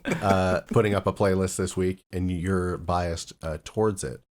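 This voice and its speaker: A man's voice: low voice, steady tone, unhurried. A man hosting a casual podcast chat, loose and joking, with lots of fillers and restarts. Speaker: podcast host.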